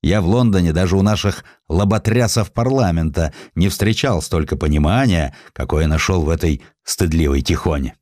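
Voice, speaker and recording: A man voicing a gruff, arrogant middle-aged British magnate in a storybook reading, gloomy, blunt and grandiose. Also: deep voice, normal speed, few pauses, darkish tone, no room sound, studio quality, natural voice. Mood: confiding, impressed.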